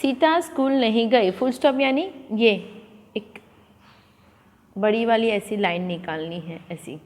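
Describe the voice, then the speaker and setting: A woman's voice: fairly high pitch, measured pace. A woman teaching a school lesson to children, explaining patiently and mixing Hindi with English words. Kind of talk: classroom lesson. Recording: long echoing reverb.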